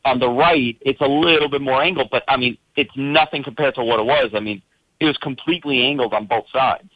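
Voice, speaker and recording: A man's voice: mid-range voice, fairly quick. A man calling in to a talk show, describing things at length in a rambling, hesitant way with many fillers. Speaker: caller. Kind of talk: casual phone-in chat. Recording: dull lo-fi call line.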